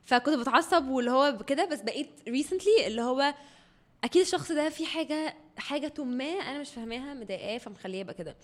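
Very fast-talking Egyptian woman, slightly high. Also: lively intonation. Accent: Egyptian Arabic. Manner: mostly Arabic with occasional English words. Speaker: podcast guest. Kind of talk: casual personal chat. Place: indoor podcast recording.

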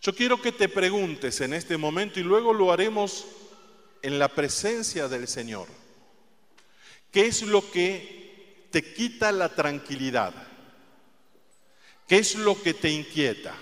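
Male preacher, fairly high voice, gentle stress on key phrases, recorded in a reverberant church. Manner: slow, deliberate, soft emphasis on quoted words. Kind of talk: sermon. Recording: long reverb of a large hall.

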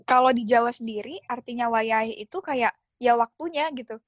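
A woman's voice: fairly high pitch, normal speed, no room sound, muffled recording. A woman from Java co-hosting a podcast, chatting casually and acting out quoted dialogue as she tells stories. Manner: animated storyteller, acts out quoted dialogue. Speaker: podcast co-host. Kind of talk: casual chat.

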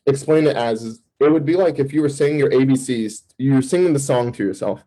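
A man who serves as a campus minister, a podcast guest who tells a personal testimony in animated storytelling bursts, with fillers and restarts. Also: medium pitch, brisk, low-quality recording. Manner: animated storytelling, acting out his own past thoughts.

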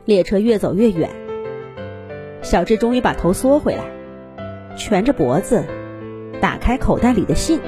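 A woman narrating a scripted fairy tale for young children in an animated, expressive storytelling manner. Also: mid-range voice, normal speed, pauses often, music in the background.

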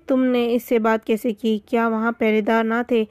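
Tough jungle hero man voiced by a woman, stern and decisive, even tone. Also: a little high, dry recording, close to an everyday voice. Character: bold commanding male jungle hero.

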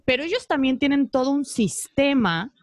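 Mexican woman, podcast guest, casual storytelling, bright voice, dry close sound. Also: sits high, moderate pace, no echo. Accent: Mexican Spanish. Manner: animated storytelling, acts out quoted voices. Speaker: podcast guest, former model. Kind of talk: casual chat.

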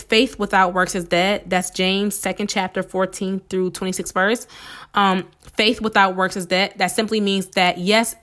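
Woman, podcast host, slightly hoarse voice, chatty, encouraging, lots of fillers. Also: mid-range voice, a bit bright. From United States. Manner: chatty and encouraging, many "um"s, addresses listeners as "y'all". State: slightly hoarse, losing her voice from a cold. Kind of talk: casual solo motivational podcast talk.

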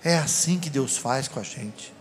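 A man preaching a sermon, telling personal stories to a live audience in an animated, laughing way. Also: mid-range voice, a little slow, a little hiss or hum. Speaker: deacon preacher.

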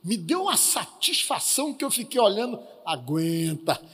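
Brief: Brazilian male preacher, high-pitched, telling a lively testimony, reverberant church. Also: a little fast, slightly rough. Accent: Brazilian Portuguese. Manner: lively storytelling with acted quotes. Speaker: pastor. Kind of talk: sermon testimony storytelling.

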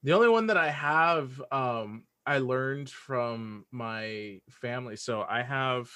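A man chats casually as a podcast guest in a medium-pitched voice. He is hesitant, circling back and repeating words as he goes. The sound is very dry, with no room echo. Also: slow, bright, forceful tone. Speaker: podcast guest, audio drama writer. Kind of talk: casual chat.

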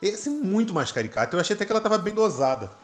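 A man's voice: high-pitched, big pitch swings, racing, soft background music. A man with a Brazilian accent giving his take in a rambling podcast chat. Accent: Brazilian Portuguese. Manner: rambling, with fillers like "sabe" and "entendeu". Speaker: podcast co-host.

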